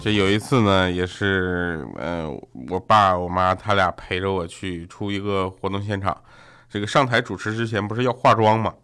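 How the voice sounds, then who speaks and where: A man's voice: low voice, fairly even intonation, normal speed, a bit bright, clear, resonant tone. Young male comic host, joking and laughing through anecdotes. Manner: jokey, laughs often, mimics family in quotes. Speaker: radio show host. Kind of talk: comedic storytelling chat.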